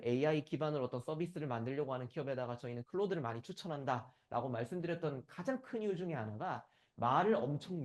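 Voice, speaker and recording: A man from the Gyeongsang region delivers a conference lecture in a voice pitched a bit high that swings up and down with lively energy. He keeps turning to the audience for agreement. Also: highs cut off. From Gyeongsang region, South Korea. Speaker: conference speaker.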